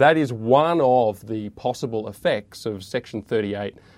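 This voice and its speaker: A man speaks with an Australian accent and lively intonation on a very clean recording with a silent background. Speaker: news commentator. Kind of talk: indignant political commentary, a pointed rant on school freedom and hidden agendas. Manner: emphatic, insistent, repeating phrases for punch, with moral outrage.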